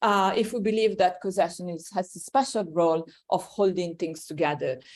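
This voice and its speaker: Woman with an Italian accent at a moderate pace. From Italy. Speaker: philosophy professor. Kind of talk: lecture. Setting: lecture hall with audience and online. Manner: hesitant with many fillers.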